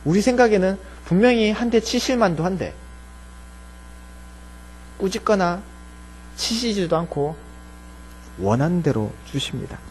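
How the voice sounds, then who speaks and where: A male pastor preaching a Sunday sermon in a church, earnest, often dropping soft and low. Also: lively intonation, a little slow, long pauses, a little hiss or hum, rough recording. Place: church sanctuary.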